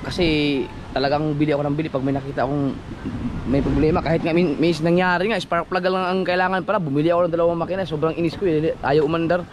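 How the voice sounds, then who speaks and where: A man's voice: fairly high pitch, little pitch movement, fast talker, noisy background. A man talking casually about his boats and engines, bantering with neighbors. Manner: chatty, playful teasing with a child. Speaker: fisherman vlogger. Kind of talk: casual vlog chat. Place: outdoors by the sea.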